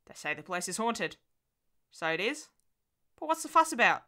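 A woman's voice: medium pitch, sing-song, normal speed, sharp tone, voice pushed up. A woman voicing a crazed old woman who lives in a condemned house, speaking in clipped, brooding phrases that rise into agitation. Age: older.

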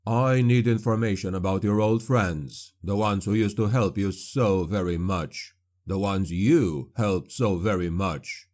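A man voicing a grim male witch hunter who speaks in a cold, venomous, measured way. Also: fairly low pitch, a little mellow, lightly acted.

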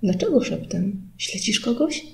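A woman's voice: medium pitch, sing-song, a little slow, vocal fry. A woman voicing a cheeky teasing schoolboy. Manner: cheeky, bantering, loud when teasing. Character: lively teasing schoolboy, curious and bored.

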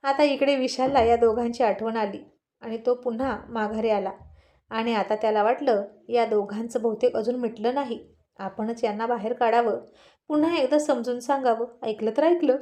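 A woman storyteller reading a love story aloud in an even storytelling manner. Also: on the high side, moderate pace. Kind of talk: storybook narration. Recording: dull lo-fi recording.

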